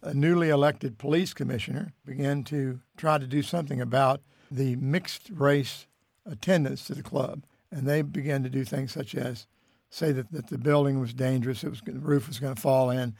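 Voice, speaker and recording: An American man recounting history in an interview in a measured, deliberate way, pausing mid-sentence. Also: mid-range voice, fairly even intonation, creaky, a little mellow, no echo, studio quality. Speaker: interviewee, musician and radio figure.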